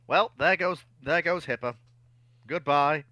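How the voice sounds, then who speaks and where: A man's voice: on the high side, measured pace, pushed and bright, no room sound. A man on a panel chatting casually in blunt, clipped short statements. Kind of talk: casual chat.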